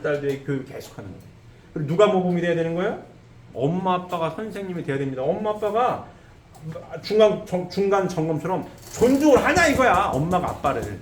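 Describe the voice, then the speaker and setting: A man preaching a sermon in a church, asking his listeners rhetorical questions. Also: high-pitched. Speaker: pastor. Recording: echoey room, faint background noise.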